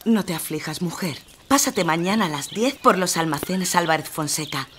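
Actress as a kindly, low-voiced woman. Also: normal speed, background noise, lightly acted. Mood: kind, reassuring. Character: kindly, practical woman serving food to poor. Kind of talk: radio drama acting.

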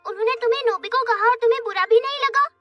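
A woman's voice: very high voice, very fast, dull audio. A woman voicing a caring, scolding childlike robot cat in a cartoon dub, cute and exclaiming. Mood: concerned. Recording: distant sound under loud music. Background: loud jingly children's cartoon music.

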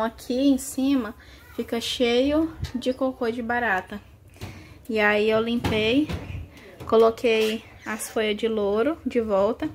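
A woman's voice: a little high, slight background noise. A young woman vlogging casually from her small home kitchen, chatty and tired after cleaning, talking into a handheld phone. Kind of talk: casual chat to camera. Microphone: handheld phone close up.

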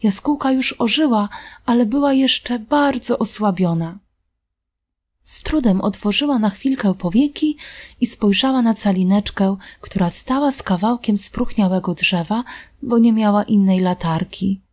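A woman reading a fairy tale aloud in a calm, gentle narrating voice. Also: mid-range voice, a little slow. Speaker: storybook reader.

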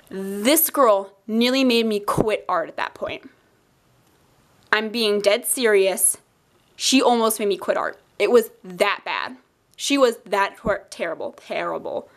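A woman's voice: fairly high pitch, a bit bright. Chatty young woman, stuffy nose. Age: young adult. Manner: chatty, self-mocking, rambling asides. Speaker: art YouTuber. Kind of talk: casual sketchbook tour chat.

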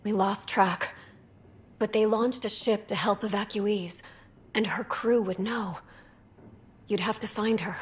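A woman's voice: medium pitch, steady tone, measured pace, pauses often, close to an everyday voice. A woman playing a haunted young alien survivor. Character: young asari refugee officer, shaken and grieving. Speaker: junior ark crew survivor. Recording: game audio with soft music behind.

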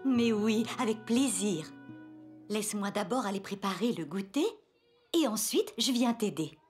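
A woman's voice: medium pitch, animated, measured pace, darkish tone, soft background music, close to an everyday voice. A woman voicing a kind, encouraging daycare teacher talking to small children in a cartoon. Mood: helpful, reassuring.

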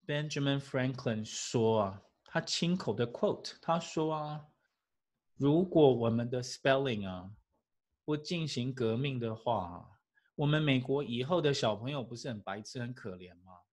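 A man, an English teacher giving a lively classroom lecture full of rhetorical questions and chuckles. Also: medium pitch, unhurried.

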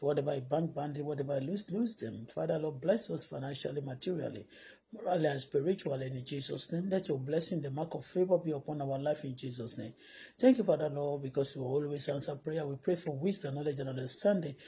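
A woman's voice: low voice, fast, dark tone, breathy edge. A middle-aged Nigerian woman with a Yoruba accent, praying fervently and then speaking emphatically to her live stream from a phone indoors. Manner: fervent, repetitive prayer cadence, emphatic. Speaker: vlogger. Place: indoor room. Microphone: phone camera at arm's length.

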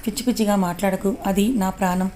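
A woman voicing an angry young husband who shouts threats over the phone, speaking in her own mellow, even voice. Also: mid-range voice, quick pace, a little hiss or hum, lightly acted. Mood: furious. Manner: shouting threats, then sobbing confession. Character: angry young husband searching for his wife.

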